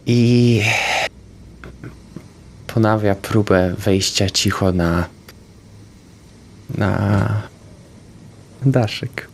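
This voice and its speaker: Male player, low voice, slow halting delivery, casual tabletop play. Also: steady tone, creaky, a little mellow, slight background noise. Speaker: roleplaying game player. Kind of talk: casual tabletop play, narrating own moves.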